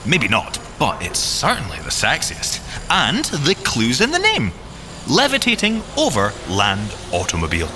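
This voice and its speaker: An actor playing a boyish, excitable, boastful inventor agent in audio drama banter, with a theatrical delivery. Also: male voice, mid-range voice, normal speed, a little hiss or hum. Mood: smug, playful. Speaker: agent and engineer character.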